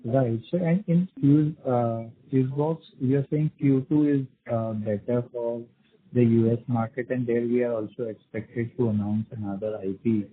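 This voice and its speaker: A man with an Indian accent asking questions as an analyst on a business conference call, speaking in a hesitant, halting way. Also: medium pitch, fairly even intonation, slightly rough. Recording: tinny narrowband phone line.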